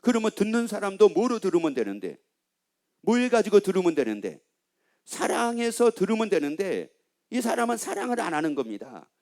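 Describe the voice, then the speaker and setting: Lively, high-voiced male preacher. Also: fairly quick. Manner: asks the congregation questions and repeats answers back; teasing, playful asides. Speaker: pastor. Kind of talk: sermon.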